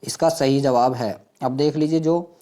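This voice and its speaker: A man with a dark, relaxed voice at an average pitch teaches a quiz-style exam lesson. He puts questions to his listeners, then explains the answers, repeating key points as he goes. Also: unhurried.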